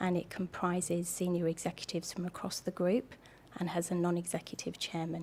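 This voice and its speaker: Soft-spoken, a woman talks at a fairly quick pace in a fairly low pitch, her intonation monotone and flat. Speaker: finance company executive, witness. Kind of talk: witness testimony. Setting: hearing room, courtroom. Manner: formal.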